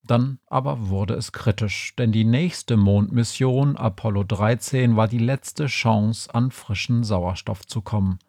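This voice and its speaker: A man's voice: on the low side, unhurried, few pauses, darkish tone, no echo, studio quality. Man reading a humorous story.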